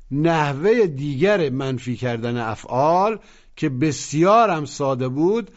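A man's voice: a little high, darkish tone. A man teaching a recorded language lesson, giving instructions and prompts for the listener to repeat. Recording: dull lo-fi tape recording.

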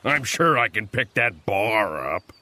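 A woman voicing a greedy, boastful male robber in a storybook, with a gruff, threatening delivery. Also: extremely low pitch, sing-song, a little slow, pushed and bright, slight background noise, voice pushed down, full character voice. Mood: scornful, boastful. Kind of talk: storybook character voice.

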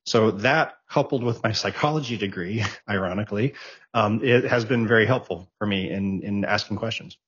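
Husky-voiced man telling stories. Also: on the low side, normal speed, fairly bright tone, dull audio. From raised abroad, born in Japan, raised in Germany. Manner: rambling storyteller, frequent restarts and stammered repeats. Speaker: interview guest, tech professional. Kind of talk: casual interview talk.

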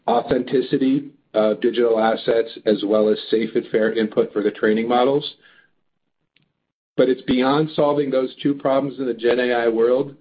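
A man answering as a company executive on an earnings call, halting but upbeat and emphatic. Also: medium pitch. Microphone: phone or conference call line. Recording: muffled narrow phone line.

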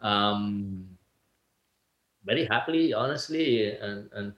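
A man's voice: lowish voice, expressive, slow, a bit bright. Chatty man, echoey room. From Italy. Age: around 60. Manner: chatty, laughing, many fillers and restarts. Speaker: guest, real estate agent. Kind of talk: casual interview talk.

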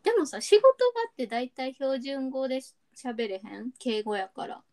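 A woman's voice: high voice, lively intonation, normal speed, a little mellow. A young woman with a Kansai accent, chatting casually and asking questions on a podcast. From Osaka, Japan. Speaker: podcast co-host. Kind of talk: casual chat.

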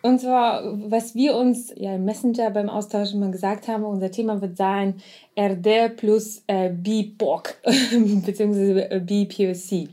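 A woman's voice: medium pitch, fairly even intonation, measured pace, dark tone. A woman hosting a podcast in a casual, unscripted chat. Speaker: podcast host.

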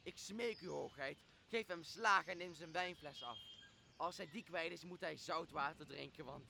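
A servile, spiteful island monster acted by a young man for a radio play. The voice is very sharp and forceful, full of creak, grovelling one moment and spitting insults the next. Faint outdoor noise sits behind it. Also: fairly high pitch, moderate pace, exaggerated voice. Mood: indignant, spiteful. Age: young adult. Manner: grovelling pleas and spat insults. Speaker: student actor. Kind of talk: amateur radio drama acting.

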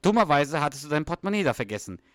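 A brash middle-aged husband brags and defends himself over dinner, as a man reads the sitcom part aloud. His voice jumps around in lively swings and sounds dry and close. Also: fairly high pitch, rapid-fire, no room sound, pitched above the performer's own voice. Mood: pleading. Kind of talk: read-aloud sitcom dialogue.

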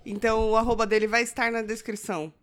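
A woman's voice: on the high side, little pitch movement, quick pace. A woman co-hosting a podcast, dropping dry, teasing comments in casual chat. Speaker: podcast co-host.

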